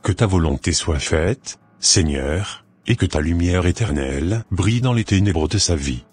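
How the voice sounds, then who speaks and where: A man's voice: sits low, animated, unhurried, a little mellow, husky, full character voice. A man playing a devout, earnest Christian who speaks solemnly and formally in a scripted Christian cartoon. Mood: solemn prayer. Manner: formal, solemn prayer delivery.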